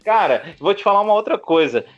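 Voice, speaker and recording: A man's voice: high-pitched, expressive, brisk, faint music behind. A Brazilian man hosting a podcast, asking questions in an informal, teasing, chatty way. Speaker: podcast host. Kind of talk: casual interview chat. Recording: slightly dull, lo-fi audio.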